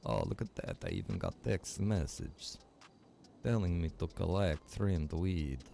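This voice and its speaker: A man's voice: low-pitched, wildly swooping pitch, unhurried, creaky, warm tone, a little hiss or hum. A man streaming a game, chatting casually with viewers, rambling and joking as he plays. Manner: rambling and joking, chats to viewers and reacts while playing.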